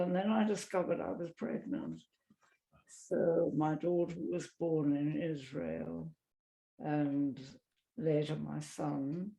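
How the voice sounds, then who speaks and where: An older woman with a South African accent telling her life story in an interview, slow and reflective with pauses, speaking from her living room on a video call. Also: lowish voice, gravelly, dark tone, rough recording. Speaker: interview guest. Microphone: webcam on a video call.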